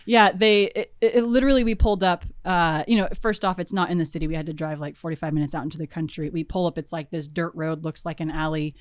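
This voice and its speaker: Brief: young woman, producer guest, lowish voice, dry close sound, rambling animated storyteller. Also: quick pace, few pauses, dry recording. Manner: animated, laughing, many fillers and restarts. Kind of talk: casual storytelling interview.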